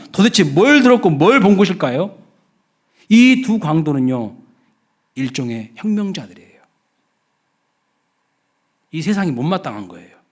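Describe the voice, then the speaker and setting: Male pastor, middle-aged, sermon delivery; higher voice with lively, wide-ranging pitch. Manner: emphatic preaching, rising loud when acting out the thief.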